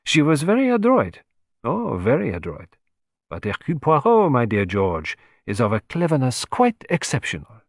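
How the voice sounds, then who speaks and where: A man's voice: mid-range voice, wildly swooping pitch, normal speed, dry recording, studio quality, voice pushed up. A man voicing a vain, fussy little male detective who speaks in a courtly, self-satisfied and precise way. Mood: musing.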